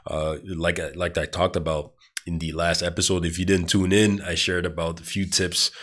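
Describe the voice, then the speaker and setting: A man with a very low, congested voice hosts his podcast alone. He rambles in a casual way, restarting sentences and leaning on fillers as he goes. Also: flat delivery, moderate pace, a bit bright. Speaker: podcast host. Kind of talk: casual monologue.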